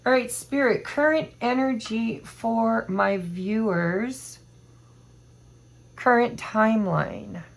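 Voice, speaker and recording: A woman doing a casual tarot reading to camera, hoarse from allergies, chatty and meandering as she thinks aloud. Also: a little high, slow pace. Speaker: tarot reader.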